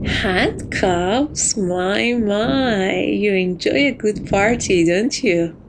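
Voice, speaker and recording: Casting: woman to play seductive catgirl jewel thief for romantic ASMR, playful and possessive, slow delivery, some background noise. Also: medium pitch. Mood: teasing, coy. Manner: teasing, coy, theatrical, affectionate.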